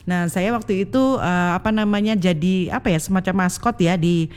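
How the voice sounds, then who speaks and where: A woman's voice: on the low side, normal speed, a little mellow, smooth. A woman hosting a live call-in radio show, talkative and friendly, slipping in phrases. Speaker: radio host.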